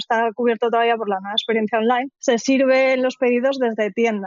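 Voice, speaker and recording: A fairly high-pitched woman's voice, fairly quick and monotone, flat in intonation. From Madrid, Spain. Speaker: startup CEO. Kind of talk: interview.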